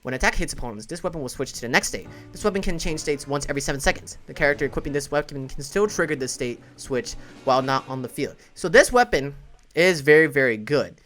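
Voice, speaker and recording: A man's voice: a little high, animated, fast talker, a bit bright. A man giving casual, opinionated game commentary in an informal way, thinking aloud as he goes. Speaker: gaming content creator and streamer. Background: background music.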